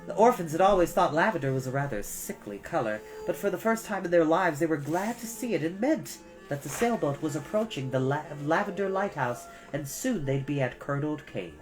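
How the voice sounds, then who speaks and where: A low-pitched woman reads a storybook aloud as host of a storytime. Her delivery is expressive, leaning carefully on key words. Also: brisk, hardly any pauses, soft background music.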